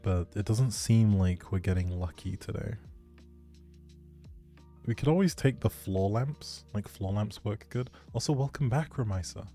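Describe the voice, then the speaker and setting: A man's voice: fairly low pitch, measured pace, warm tone, faint music behind. A man chatting casually to viewers on a game livestream, musing aloud as he plays. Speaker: game streamer. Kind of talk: casual livestream chat while playing a life-simulation game.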